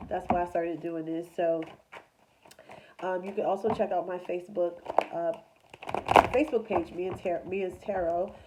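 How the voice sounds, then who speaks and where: A woman's voice: lowish voice, fairly even intonation, normal speed, long pauses, heavy background noise. A congested woman doing a casual, chatty tarot reading with a loose, filler-heavy way of talking. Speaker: tarot reader.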